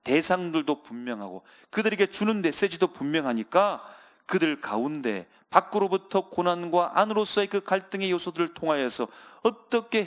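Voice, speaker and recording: Speaking in a fairly high voice, a male pastor gives a Sunday sermon with earnest conviction, frequently addressing the congregation and stretching out key words for emphasis.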